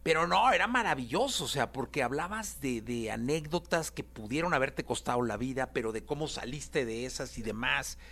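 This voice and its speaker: A man's voice: mid-range voice, animated, normal speed, hardly any pauses, fairly bright tone. A man hosting an interview, affirming and prompting his guest. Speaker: interviewer host. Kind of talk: interview questions.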